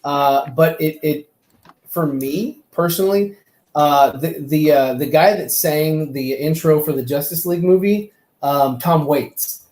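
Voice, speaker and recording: Halting man in an echoey room. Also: a little high, a little mellow. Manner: halting, rambling, repeats words. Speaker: panelist on a fan talk show. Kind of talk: casual opinionated film chat.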